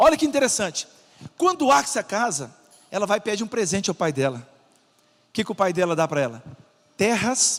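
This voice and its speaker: This man speaks in an animated tone at a high pitch and a moderate pace. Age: 60s. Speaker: pastor. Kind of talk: sermon.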